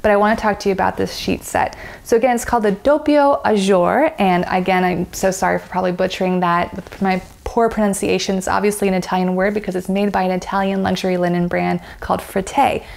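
A woman's voice: medium pitch, fairly even intonation, brisk, gravelly, few pauses, darkish tone. A woman in her thirties with an American accent, giving a chatty, enthusiastic product review to camera while seated on a bed in a bedroom.

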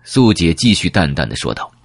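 Guy reading a novel, deep voice, very expressive, dramatic storytelling, close dry sound. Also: a little fast, creaky, dry recording. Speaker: audiobook narrator. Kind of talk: dramatic scripted novel narration.

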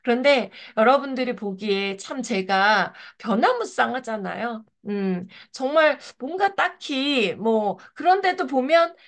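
A woman's voice: a little high, lively intonation, unhurried, hardly any pauses. A middle-aged woman leading an online book club, talking animatedly and acting out quoted thoughts with frequent laughs. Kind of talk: book discussion talk to an online group. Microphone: video call.

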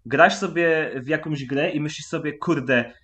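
Guy interviewing someone on a call, relaxed chatty questions, bit of a higher voice. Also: unhurried. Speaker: interviewer, host. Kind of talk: casual interview chat. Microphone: video call.

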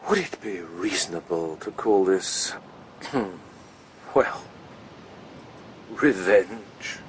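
An actor playing a proud, witty poet-soldier in a radio drama, speaking with eloquent, wry theatricality. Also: male voice, sits low, animated, extremely slow, a little hiss or hum, heavily acted. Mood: coolly sardonic.

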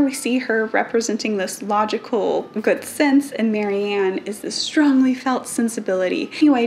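Woman, 30s, slightly high voice. Chatty video host, informal explainer with expressive emphasis. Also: slight background noise. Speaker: host of a book video channel. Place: living room, indoors.

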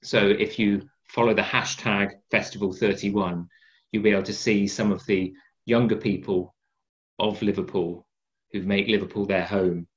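A middle-aged man, an artist and teacher, introducing himself casually over a video call with relaxed fillers. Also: lowish voice, moderate pace. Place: room at home with a large colourful wall hanging. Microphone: laptop webcam on video call. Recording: dull lo-fi video call audio.

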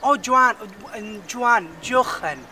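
A woman's voice: fairly high pitch, extremely slow, sharp tone, slight background noise, heavily acted. Estela, a woman playing a spoiled chatterbox. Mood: bubbly boastful. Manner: boastful nonstop chatter, fake foreign accent bits. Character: vain chatty rich young woman, spoiled daddy's girl. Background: background music.

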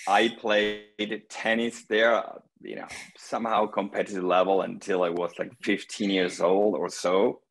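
A middle-aged man from Argentina, a guest player chatting relaxed on a video call from home, with many pauses. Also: on the low side, poor audio. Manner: relaxed storytelling, many pauses and "um", gestures with hands. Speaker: guest, senior pro pickleball player. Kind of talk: casual video call interview. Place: small room indoors at home. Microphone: laptop webcam on video call.

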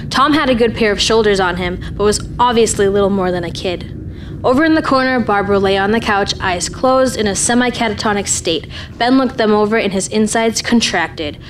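A woman narrates a scripted radio play in a mid-pitched voice. There is faint noise in the background as she reads the story. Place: theater stage. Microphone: stand microphone.

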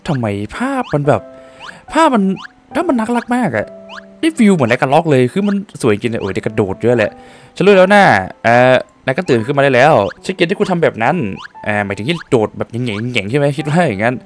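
A man's voice: medium pitch, fast, hardly any pauses, soft background music. A man playing a video game, reading out and translating the dialogue in a casual, joking way. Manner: lively, laughs often, swears casually. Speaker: gaming streamer. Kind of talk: casual let's-play commentary, translating dialogue.

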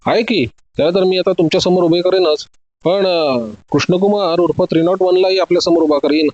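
A man voicing a calm, confident male detective who lays out his case methodically in an audio story. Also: high-pitched, a little fast, dry recording, highs cut off, close to an everyday voice.

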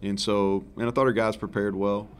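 Low-ish voiced coach guy rambling thru postgame answers, fixes himself mid-sentence, press table mics, bit of room noise. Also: a little fast. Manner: rambling, self-correcting, relaxed and frank. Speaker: head football coach. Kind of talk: post-game press conference answers. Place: press conference room in front of a sponsor backdrop. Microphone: several table microphones in front of him.

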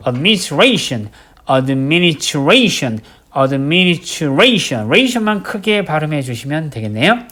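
Male vocab instructor, lively up-and-down delivery, drills each word over and over. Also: sits high. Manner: drills words by slow repetition, writes as he explains. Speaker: English vocabulary teacher. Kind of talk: recorded vocabulary lecture.

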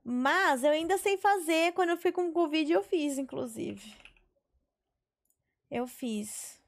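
A woman's voice: sits high, animated, takes it slowly. A young woman streaming a life-sim game, chatting casually with viewers and telling stories, swearing now and then. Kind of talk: casual gameplay chat with viewers. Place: small bedroom streaming setup, indoors. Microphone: headset mic on webcam stream.

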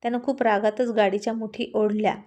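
A woman storyteller reading a romance story aloud in a steady, expressive narrating style. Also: mid-range voice, a little fast.

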